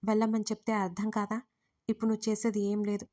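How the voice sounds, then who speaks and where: A woman narrator voicing a hurt young woman who shouts angrily through tears in an audio story. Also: medium pitch, completely flat delivery, quick pace, close to an everyday voice. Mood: tearful angry.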